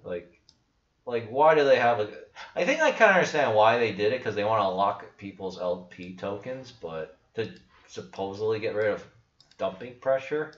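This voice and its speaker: A young man talks casually and bluntly, full of doubt, trailing off and restarting as he goes. His voice sits a little low. The sound is dull and lo-fi, bouncing around a small room. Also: expressive, moderate pace, fairly bright tone, roomy sound. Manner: blunt, skeptical, rambling with restarts. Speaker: crypto channel host. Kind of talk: casual screen-share commentary.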